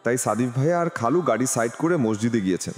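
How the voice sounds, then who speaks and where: A man narrating a romantic story in the first person, expressive and animated. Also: mid-range voice, brisk. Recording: reverberant with music behind.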